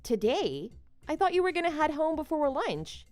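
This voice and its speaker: A woman playing a devoted but slightly needy wife in a scripted online story drama, speaking in an expressive, conversational way. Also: high voice, moderate pace, no echo, faint music behind. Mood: accommodating.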